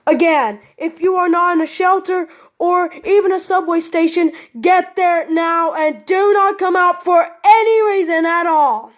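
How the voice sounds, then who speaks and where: Woman acting a loud, high, urgent attack-warning announcer. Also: a little slow, few pauses. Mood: urgent alarm. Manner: loud, insistent, repetitive.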